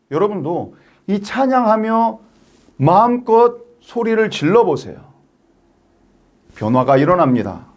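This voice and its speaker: A man preaching a sermon to teenagers, telling the story in an animated way and acting out its scenes. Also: high-pitched. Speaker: youth pastor. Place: church.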